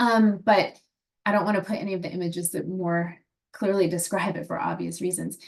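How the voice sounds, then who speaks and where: An American woman speaks at a fairly quick pace in a medium pitch. Her voice is somewhat breathy. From West Virginia. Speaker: lecturer. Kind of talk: lecture.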